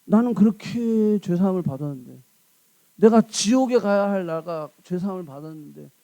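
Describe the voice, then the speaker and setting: A woman's voice: lowish voice, animated, moderate pace, dark tone. A woman pastor preaching a sermon in a church, emphatic and full of rhetorical questions to the congregation.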